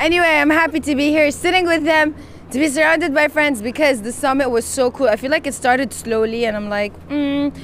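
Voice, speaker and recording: Over noticeable background noise, a woman with a high pitch talks at a fairly quick pace, her pitch varying in an ordinary way. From Palestine. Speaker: travel YouTuber, former TV presenter. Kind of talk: casual chat. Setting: passing one shared mic at a creator summit.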